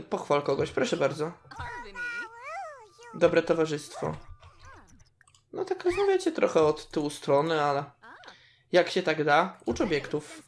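Chatty woman talking to her sims, low voice that swoops around a lot, faint noise behind. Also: gravelly. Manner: chatty, talks to her game characters, squeals at cute moments. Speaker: gaming video host. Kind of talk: casual gameplay commentary.

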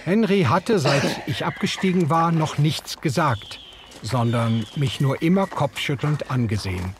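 An actor narrating in first person as a young German newcomer, measured and storytelling. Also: male voice, fairly high pitch, noisy background. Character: young German greenhorn narrating his past.

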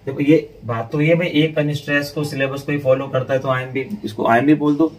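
Man, chatty tutor, informal lecture, often checks in with students, mid-pitched voice, a little distant from the mic. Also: fairly even intonation, a little fast, darkish tone, a little hiss or hum. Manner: chatty, addresses students as "beta", repeats and checks "theek hai". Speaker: online English literature tutor.

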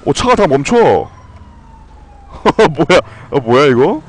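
A young man giving loud, excitable commentary while playing a video game, swearing and shouting at what happens on screen. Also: on the high side, extremely slow, slight background noise, poor audio. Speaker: gameplay streamer.

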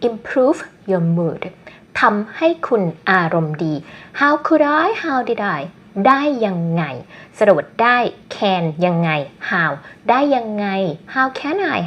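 A woman with a Thai accent teaching an online language lesson, explaining patiently and repeating phrases slowly for learners. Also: mid-range voice, husky. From Thailand.

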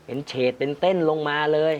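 Speaking briskly over lo-fi audio, a man runs a relaxed livestream critiquing photos sent in by viewers. He reads the chat comments aloud and breaks into laughter frequently.

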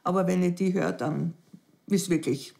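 In a very noisy recording, a widow in her fifties who is a dating show candidate gives an emotional interview at home in her living room. Her creaky voice is on the low side, with fairly even intonation and a moderate pace. She sounds hesitant and reflective and sometimes softens into near whispers.

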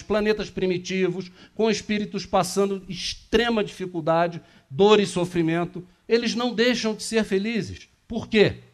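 A high-pitched man in his fifties delivers a spiritist lecture to a small audience, chatting casually, putting questions to his listeners, and gesturing widely. A camera across a small meeting room captures him.

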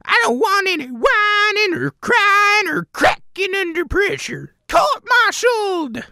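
A man's voice: extremely high pitch, very animated, slow pace, sharp tone, slight background noise, full character voice. A man voicing a cranky, bossy elderly granny pony from a cartoon. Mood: bossy, stern. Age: older. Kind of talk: cartoon character voice demo.

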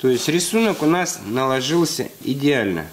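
A man's voice: mid-range voice, animated, normal speed. A man in his thirties hosting a casual hands-on workshop tutorial, explaining steps with lots of fillers while a little under the weather, recorded in an indoor garage workshop on a close handheld camera. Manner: explanatory, repeats "то есть", filler-heavy. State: slightly ill. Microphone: camera mic, handheld close.

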